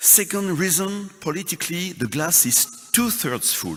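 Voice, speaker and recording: With a strong French accent, this voice moves at a fairly slow pace and swings very widely in pitch. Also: man. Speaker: business federation president. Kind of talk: conference keynote speech.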